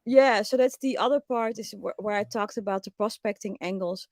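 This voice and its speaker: Female guest, raspy, gravelly fry, dry close sound, frank and eager. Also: medium pitch, normal speed, dry recording. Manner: enthusiastic, frank, with fillers. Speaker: podcast guest. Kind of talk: casual interview chat.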